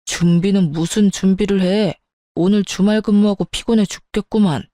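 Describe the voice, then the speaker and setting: A woman's voice: medium pitch, steady tone, moderate pace, dark tone, dry recording, studio quality, close to an everyday voice. Woman doing an irritated, blaming husband. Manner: blaming, curt and dismissive.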